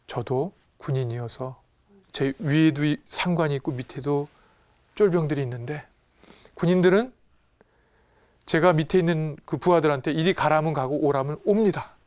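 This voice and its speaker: Male priest, animated retreat lecture, acts out dialogue, asks the audience questions, fairly high voice, dry close sound. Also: normal speed, no room sound. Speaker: Catholic priest giving a retreat talk. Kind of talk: lively spiritual lecture to an audience.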